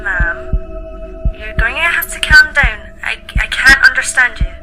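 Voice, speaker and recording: A woman playing a calm, motherly emergency dispatcher in an amateur audio drama. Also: sits high, measured pace, over music, low-quality recording. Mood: calm, urgent.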